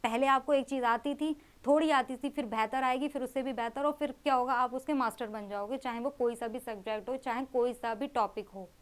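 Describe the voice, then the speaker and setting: A woman's voice: high voice, a little fast, few pauses, smooth. A young woman teaching an exam-prep grammar lesson, explaining with rhetorical questions and repeating key terms.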